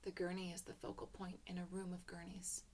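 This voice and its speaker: A woman's voice: on the low side, completely flat delivery, fairly quick, a little hiss or hum. A woman reading a literary short story in the first person, with intense, theatrical delivery. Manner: intense, theatrical, hushed passages swelling to emotional peaks.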